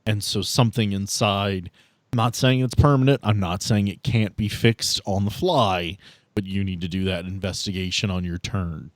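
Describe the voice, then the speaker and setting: A man with a fairly low voice talks as game master of a tabletop game. He moves between casual rulings and narration of the action. The sound is close and dry, with very little room to it. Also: steady tone, normal speed, no room sound.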